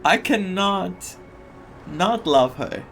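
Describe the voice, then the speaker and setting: Give a casual game streamer reacting to a story in an emotional, gushing way. The voice is mid-pitched and takes its time, with faint music behind. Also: animated, drawn-out words, creaky, fairly bright tone. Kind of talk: casual gameplay reaction commentary.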